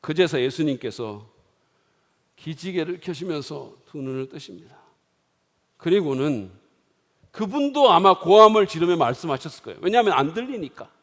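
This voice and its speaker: A middle-aged man preaching a sermon in a church, swinging dramatically from hushed, quiet lines to loud exclaiming. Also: on the high side, lively intonation, moderate pace. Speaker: pastor. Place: church sanctuary. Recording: long hall reverb.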